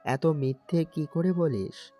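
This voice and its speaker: A man's voice: on the high side, slow, mellow, soft background music. A young man playing a teasing, tender young groom in love in a romantic audio story, speaking intimately. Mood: playful, teasing.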